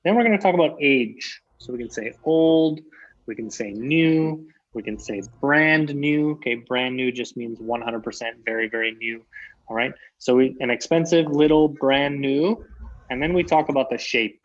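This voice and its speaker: A man from Canada teaches English over a video call, calmly repeating each example so the class can follow. His voice sits in a middle register. The audio is muffled and lo-fi. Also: medium pitch, normal speed. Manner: patient, repeats key phrases. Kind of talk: online English lesson.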